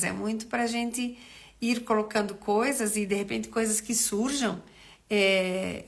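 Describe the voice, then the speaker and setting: A woman's voice: on the high side, creaky. A middle-aged woman, recovering from a cold, hosting a casual live stream as a nutritionist and chatting with viewers in a rambling way. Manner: chatty, greets viewers by name, rambles with restarts. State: recovering from a cold, throat still rough.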